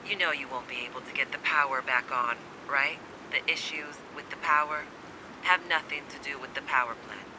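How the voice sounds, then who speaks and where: A male actor as a guarded game survivor on edge, with a fairly high voice. The delivery is blunt, cynical and urgent. A clear low rumble runs under the speech. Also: normal speed, close to an everyday voice. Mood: guarded, wry. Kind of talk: dramatic video game acting.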